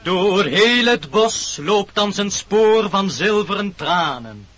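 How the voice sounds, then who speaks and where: Casting: sanctimonious snail preacher, very high bright voice, mournful funeral oratory, dull old radio sound. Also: male voice, lively intonation, slow, full character voice. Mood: solemn, lamenting. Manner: unctuous sermon, flowery and solemn. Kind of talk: theatrical radio play acting.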